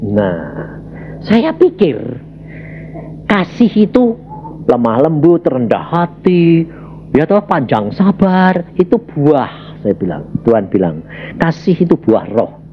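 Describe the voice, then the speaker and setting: An evangelist preacher in a church worship hall delivers a sermon and shares his personal testimony, addressing the congregation directly as "saudara." He tells his story in an animated way with big pitch swings, speaking slowly and pausing often. The lo-fi audio sounds slightly dull, with a faint background hiss.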